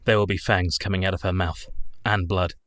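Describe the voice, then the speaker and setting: An actor playing a grim young solicitor who speaks tersely and somberly. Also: male voice, low-pitched, flat delivery, fairly quick, fairly bright tone, no echo, clean studio sound. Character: Jonathan Harker, grim young male solicitor.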